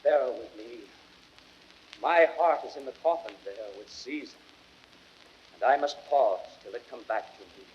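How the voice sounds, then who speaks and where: An actor playing a grieving, slyly ironic Roman orator, delivering a measured, impassioned speech in classical Shakespearean radio-drama style. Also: male voice, mid-range voice, lively intonation, slight background noise, lightly acted. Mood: grief-stricken. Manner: declamatory, measured, rhetorical. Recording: dull vintage record sound.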